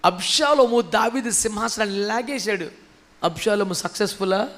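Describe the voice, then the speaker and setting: A man preaching with a strikingly high voice. He speaks in a teasing, everyday way and keeps urging the congregation to answer loudly. His delivery climbs into fervent shouts. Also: normal speed, a little hiss or hum. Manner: teasing, colloquial, calls for loud responses, builds to shouting. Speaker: pastor. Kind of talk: sermon.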